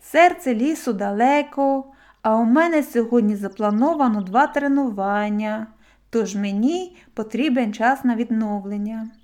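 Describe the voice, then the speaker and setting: A woman voicing a calm, friendly, sporty forest animal who speaks matter-of-factly. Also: a little high, unhurried, lightly acted.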